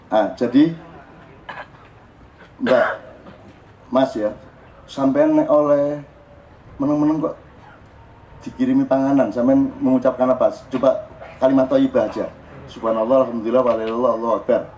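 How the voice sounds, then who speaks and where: A man with an East Javanese accent giving a casual spiritual talk to a gathering. He is animated and joking, and slips into Javanese. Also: mid-range voice, normal speed, long pauses. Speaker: religious speaker. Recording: dull lo-fi live recording with faint noise.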